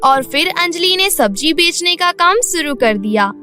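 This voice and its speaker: High-pitched woman narrating a bedtime story. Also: expressive, a little slow, bright, forceful tone, faint music behind.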